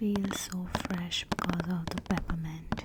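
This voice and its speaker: A soft-spoken woman whispers in a gentle tone at a very slow pace. Noticeable background noise sits behind her. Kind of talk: ASMR tea collection showcase, soft whispers. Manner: soft-spoken, whispered, gentle.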